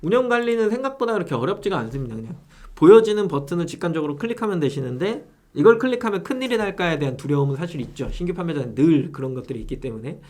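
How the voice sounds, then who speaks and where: A male instructor leads a casual live lesson for online sellers. His voice sits a little higher than most men's. He keeps it conversational, checking in with quick tag questions. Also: sing-song, a little mellow. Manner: chatty, rhetorical tag questions.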